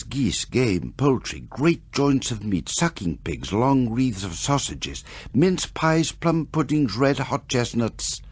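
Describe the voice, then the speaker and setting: A man's voice: lowish voice, breathy edge, full character voice. A man narrating a radio drama as a theatrical storyteller, relishing each descriptive phrase.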